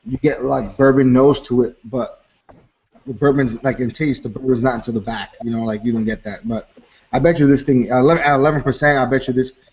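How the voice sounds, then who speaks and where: A man's voice: medium pitch, fairly even intonation, fairly quick, a little mellow, muffled recording. A man describing a beer on a video call, rambling with many fillers. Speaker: co-host. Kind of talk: casual beer tasting chat.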